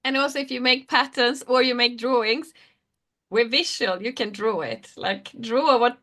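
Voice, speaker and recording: Give me a woman with a crisp, bright tone answering questions on a live video call panel. She talks casually and loosely, letting sentences drift and trail off as she thinks. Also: a little high, normal speed. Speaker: panel speaker, designer.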